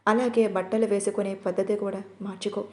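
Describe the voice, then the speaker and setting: A strict, caring young wife hands out punishments firmly and soothes her husband gently, voiced by a woman storyteller. Her voice is mellow and dark. She speaks like a character in a spoken audio story. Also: medium pitch, little pitch movement, fairly quick, lightly acted. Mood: stern. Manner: stern, then soothing.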